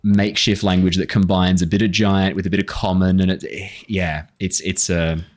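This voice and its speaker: A man acting as game master, explaining and narrating a tabletop role-playing game in a halting, explanatory way. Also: low-pitched, level tone. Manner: halting, explanatory, repeats himself.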